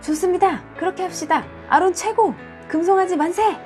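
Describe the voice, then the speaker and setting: A woman voicing excitable cheering Israelites in a hammy amateur storybook style, with exclamatory delivery. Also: very high voice, brisk, soft background music, voice pushed up. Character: excitable crowd of Israelites cheering a golden idol.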